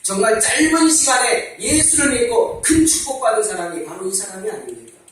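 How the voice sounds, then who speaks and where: A man's voice: extremely high pitch, expressive, fairly quick, fairly bright tone, a little hiss or hum. A man preaching a sermon as pastor, asking rhetorical questions and repeating his calls to repent. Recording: echoey church hall, mic at a distance.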